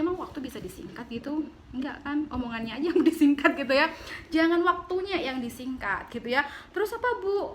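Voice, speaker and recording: Woman, casual instructional talk, bright tone, chatty and corrective. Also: high voice, a little hiss or hum. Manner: chatty, corrective, teasing asides. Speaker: public speaking teacher.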